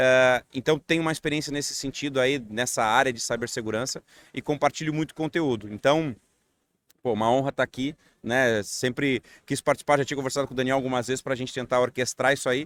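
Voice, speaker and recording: In a very clean recording with a silent background, a man speaks with a Porto Alegre accent. His pitch is medium and his intonation fairly even. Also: fairly quick pace. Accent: Porto Alegre accent, kept. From southern Brazil, Porto Alegre. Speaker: security researcher. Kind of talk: casual podcast chat. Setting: studio at a conference.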